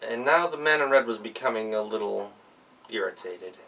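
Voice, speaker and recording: An American man performs a folktale as a practiced storyteller. His voice is very lively and bright, full of dramatic pauses and repeated phrases, picked up from slightly away from the microphone. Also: fairly low pitch, creaky, far from the mic, rough recording. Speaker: professional storyteller. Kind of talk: animated oral folktale telling.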